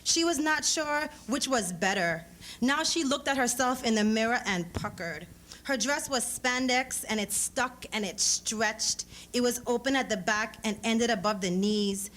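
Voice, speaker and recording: A woman reading a story aloud at a live event, in measured, expressive phrases. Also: on the high side. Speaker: author reading a short story at a public event. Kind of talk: dramatic literary reading of narrative prose with acted dialogue. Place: live lecture event before an audience.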